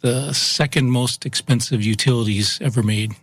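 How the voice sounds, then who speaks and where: A man who runs a town's water and sewer crews, talking through how the system works in a relaxed interview. He speaks plainly, often trailing off with "so" and "yep". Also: mid-range voice, normal speed, husky. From Massachusetts, US. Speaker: utilities chief of operations. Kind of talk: casual interview.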